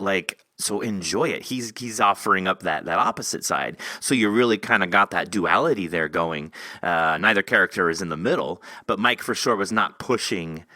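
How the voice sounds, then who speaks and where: Bright, animated low-voiced male host. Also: no room sound. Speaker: podcast host. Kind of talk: casual interview chat.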